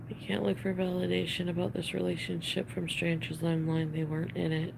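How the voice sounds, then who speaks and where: A woman's voice: lowish voice, flat delivery, a little fast, vocal fry, background noise. A woman in a played clip, talking through a breakup in a rambling way that is full of "like" fillers and sounds upset.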